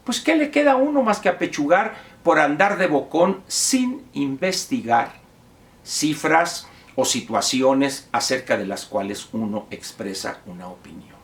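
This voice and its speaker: A man's voice: on the high side, very animated, measured pace. A man with a Mexican accent giving a lecturing monologue of commentary, posing rhetorical questions to the viewer. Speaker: political commentator.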